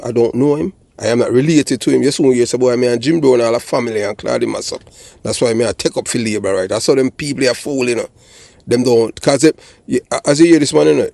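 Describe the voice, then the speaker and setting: A man's voice: mid-range voice, vocal fry, dark tone, dry recording. An older man with a Jamaican accent giving blunt, emphatic political commentary as a channel host, often checking that listeners follow. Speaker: channel host and commentator, former police officer.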